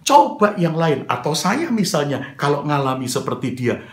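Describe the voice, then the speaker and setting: A male preacher tells a story in a sermon, slipping into the voices of the people in it and turning to his listeners as brothers. His voice sits a little high. The church around him rings with echo. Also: sing-song, moderate pace. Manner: addresses listeners as brothers, acts out quoted dialogue.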